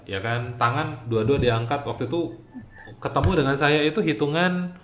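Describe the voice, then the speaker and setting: A man hosting a casual health interview, asking questions with lively curiosity and laughing easily. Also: medium pitch, moderate pace, reverberant. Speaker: host.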